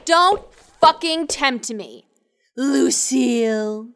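A woman's voice: sits high, extremely slow, creaky, slight background noise, full character voice. An actress playing a brash, sarcastic young woman scientist in an audio drama, slangy, sweary and defensive. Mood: indignant. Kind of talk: audio drama acting, naturalistic banter.

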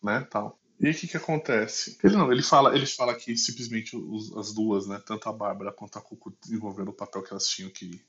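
A man's voice: fairly low pitch, fairly even intonation, fast talker, hardly any pauses, a bit bright. Man retelling a comic with animation. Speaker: podcast co-host. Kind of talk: casual book discussion. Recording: slightly dull lo-fi audio.

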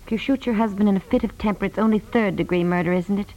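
An actress playing a firm, opinionated but affectionate young wife, brisk and wry, in a 1950s radio comedy recording. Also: female voice, mid-range voice, dark tone, dull audio, natural voice. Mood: indignant.

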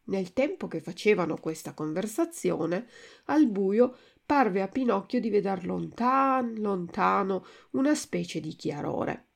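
Creaky-voiced woman reading a story aloud. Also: medium pitch, animated, unhurried. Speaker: language teacher and reader.

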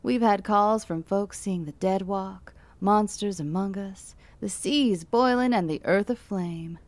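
Actress as a steady late-night DJ, wry and measured, dry close sound. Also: female voice, medium pitch, no room sound, lightly acted. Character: calm late-night woman radio DJ, wry. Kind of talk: radio drama acting.

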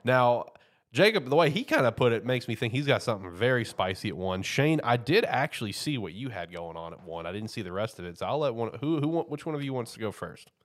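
A man's voice: medium pitch, big pitch swings, fast. A man hosting a casual sports podcast, talking loosely with lots of fillers and frequent laughs. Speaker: podcast host.

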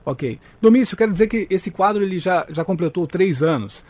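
High-voiced Brazilian male radio host. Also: animated, fairly quick, darkish tone, slight background noise. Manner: formal, respectful. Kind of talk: live radio interview and station announcing.

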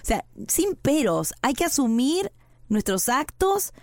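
Woman, rioplatense accent, podcast co-host, slightly high voice, dry close sound, earnest advice. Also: big pitch swings, slow, dry recording. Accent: Rioplatense Spanish. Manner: earnest, advice-giving, quotes arguments in voices. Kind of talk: casual couple's podcast chat.

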